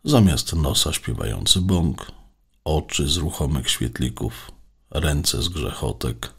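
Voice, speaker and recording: A man voicing a gentle, modest and earnest caretaker robot who speaks politely. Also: extremely low pitch, very animated, slow pace, creaky, breathy edge, exaggerated voice. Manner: polite, conscientious.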